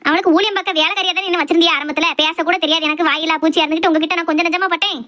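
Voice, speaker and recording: A woman voicing a sharp-tongued, outspoken village wife and mother in a cartoon family drama, scolding and argumentative with a Tirunelveli Tamil accent. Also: very high-pitched, steady tone. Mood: indignant, combative. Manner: scolding, argumentative, rapid complaints.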